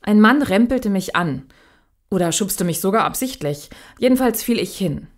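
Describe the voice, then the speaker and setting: An actress playing a blunt, guarded young machinist in a sci-fi audio drama, speaking colloquially with some hesitation. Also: female voice, medium pitch, animated, moderate pace, natural voice. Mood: recounting uneasily. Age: young adult. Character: young working-class woman machinist, casual, blunt, guarded.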